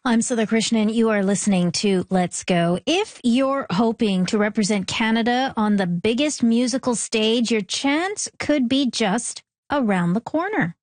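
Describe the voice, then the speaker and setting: A woman hosting a radio show, presenting in a friendly, smooth way at a studio microphone. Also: fairly high pitch, expressive, unhurried, few pauses, dry recording. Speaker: radio host.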